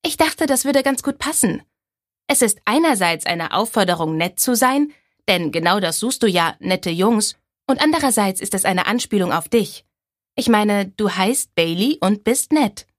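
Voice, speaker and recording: A woman reading an audiobook, voicing the narrator's excited, chatty young best friend in a brighter, higher voice. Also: normal speed, no echo, clean studio sound, lightly acted. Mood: eager. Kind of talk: audiobook character voice.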